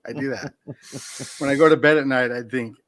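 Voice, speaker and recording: A man's voice: mid-range voice, steady tone, a little fast, background noise. A man in his fifties hosting a comedy morning show, joking and self-mocking in casual banter. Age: 50s.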